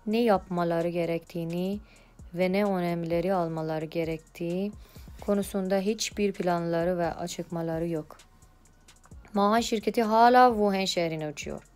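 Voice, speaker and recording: A woman's voice: lowish voice, moderate pace, a little mellow, clean tone, faint music behind. A woman with an Iranian accent giving a prepared report in a foreigner's broken Turkish with grammatical slips.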